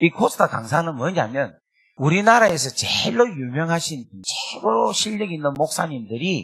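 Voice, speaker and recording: Speaking at a fairly slow pace, a man with a strong Gyeongsang accent uses a fairly high pitch and very wide pitch swings. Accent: thick Gyeongsang dialect. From Korea, Gyeongsang region. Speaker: pastor. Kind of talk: sermon. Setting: prayer retreat seminar.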